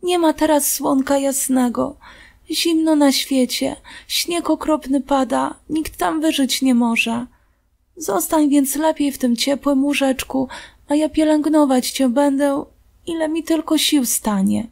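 A woman's voice: sits high, measured pace, creaky, voice pushed up. A woman voicing tiny tearful Thumbelina. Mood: tender, anxious. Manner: soft, pleading, tearful. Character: tiny gentle girl, tearful and tender.

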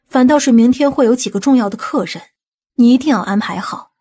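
A woman's voice: a little high, a little fast, mellow, husky. A woman voicing a bossy, irritable aunt in a dramatised audiobook, with a scolding, indignant manner. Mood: instructing. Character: domineering, irritable aunt of a company chairman.

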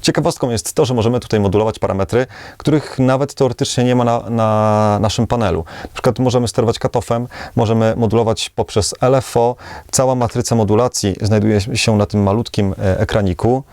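A man's voice: fairly low pitch, steady tone, fairly quick, darkish tone, no echo. A man giving casual demo commentary as he reviews an instrument.

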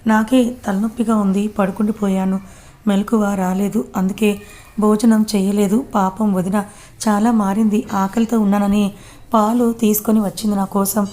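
A woman reading a gentle anxious young wife. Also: mid-range voice, level tone, normal speed, lightly acted. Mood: calm.

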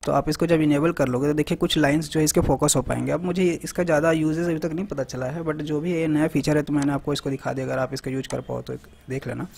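A man hosting a tech tutorial, talking casually through a software demo and often checking in with the viewer. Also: on the high side, fairly even intonation, fast talker, creaky, hardly any pauses, slight background noise. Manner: conversational, repeats "theek hai" often. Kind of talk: screen-recorded software walkthrough.

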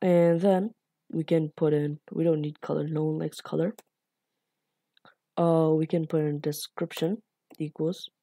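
A woman with a slightly raspy late-night voice hosts a casual coding tutorial, rambling and apologizing with lots of fillers. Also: deep voice, flat delivery, a little slow, pauses often, mellow, dry recording. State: a bit raspy from being up late.

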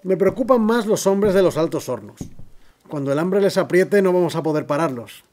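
A man's voice: sits high, lively intonation, moderate pace, darkish tone. A man playing a dismissive, irritable city mayor in a radio drama, brusque and commanding. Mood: worried, decisive. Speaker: actor in audio drama.

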